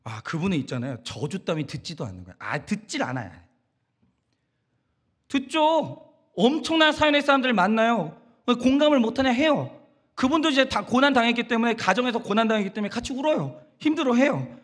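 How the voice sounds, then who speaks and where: A man's voice: extremely high pitch, big pitch swings, brisk, fairly bright tone, husky. A man preaching a Sunday sermon as pastor, emphatic and direct, asking the congregation rhetorical questions. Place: church sanctuary.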